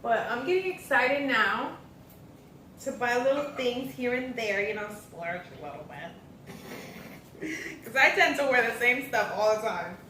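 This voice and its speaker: A woman's voice: fairly high pitch, lively intonation, measured pace, bright, forceful tone. An American woman hosting a casual vlog, talking informally and directly to viewers. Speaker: vlog host. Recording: echoey room, distant mic, faint noise.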